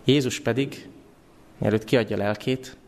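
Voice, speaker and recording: A male preacher delivers a sermon in a church. He is animated and asks his listeners questions. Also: mid-range voice, slight background noise.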